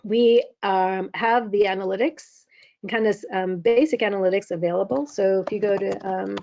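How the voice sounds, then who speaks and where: A woman walks through a software demo in an online webinar, pausing often with ums. Her voice is going hoarse and she keeps clearing her throat. The call audio is dull and dry, with no room sound. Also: medium pitch, steady tone, no echo. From California. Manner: halting, many ums. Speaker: presenter.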